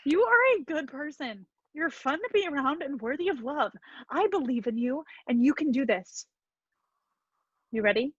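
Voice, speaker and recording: An actress playing an encouraging, bossy best friend in a comedy sketch, coaxing and emphatic. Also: female voice, high-pitched, expressive, normal speed, no room sound, lo-fi sound. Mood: soothing, coaching. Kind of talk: virtual staged comedy sketch reading.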